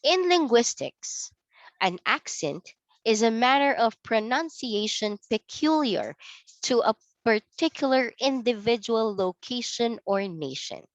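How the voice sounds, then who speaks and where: A woman's voice: fairly high pitch, expressive, measured pace, no echo, poor audio. A woman with a Filipino accent giving an online training lecture, often checking in with "okay" and "right" as she reads definitions. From Philippines.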